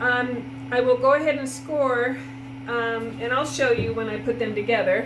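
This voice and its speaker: A woman is speaking in a room with audible echo. Noticeable background noise runs beneath her voice. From Alaska. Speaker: potter. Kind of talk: tutorial. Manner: casual.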